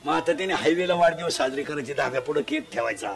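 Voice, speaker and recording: A male preacher delivers a comic devotional sermon in a high, carrying voice. He scolds in a folksy way and fires questions at the listeners. A large live crowd is heard shouting answers and laughing. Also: fast, gravelly. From Maharashtra. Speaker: kirtan preacher. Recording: live event with a loud crowd. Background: crowd responding and laughing.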